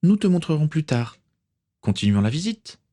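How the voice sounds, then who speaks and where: A hard but calm Japanese woman pirate, acted by a male narrator who answers briefly and gives clipped orders. The pitch is pushed far above his normal voice to suggest a woman, and the reading has lively ups and downs. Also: normal speed. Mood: curt. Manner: curt, commanding.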